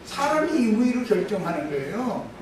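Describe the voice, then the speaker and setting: A man earnestly explaining church doctrine in a testimony, often pausing with short affirming fillers. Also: sits high, big pitch swings. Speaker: church member giving testimony. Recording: echoey room, far from mic, clear background noise.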